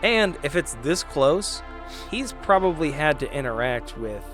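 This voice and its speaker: A man chatting casually as a player in a tabletop game, with hesitant, halting phrasing. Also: a little high, very animated, a bit bright, soft background music. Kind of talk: casual chat.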